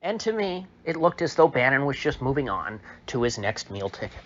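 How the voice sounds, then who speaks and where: A man who is ill, voice a little off, giving a halting, opinionated political commentary monologue full of fillers, recorded in a room. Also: mid-range voice, sing-song, lo-fi sound, a little hiss or hum. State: sick, slightly off voice. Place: indoor room.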